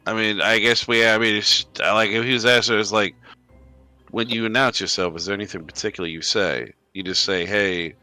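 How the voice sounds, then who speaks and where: A male player chats through his options in a tabletop game. He rambles and hesitates, in a somewhat low, bright voice, recorded dry with faint music behind. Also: steady tone, fairly quick, dry recording. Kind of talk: casual chat.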